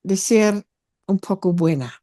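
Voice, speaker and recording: A woman's voice: medium pitch, expressive, slow pace, warm tone, no echo, clean studio sound. An older woman from Germany, whose first language is German, speaking in a thoughtful, hesitant interview conversation as an author. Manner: thoughtful, hesitant, many fillers.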